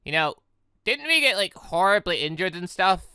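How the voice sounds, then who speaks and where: A gaming video host talks in a bright, forceful voice with very lively pitch movement. The delivery is casual and rambling, full of tangents and self-corrections. The sound is dry, with hardly any room in it. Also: normal speed, clean tone, no echo. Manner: chatty, digressive, self-correcting. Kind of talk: casual rambling game commentary.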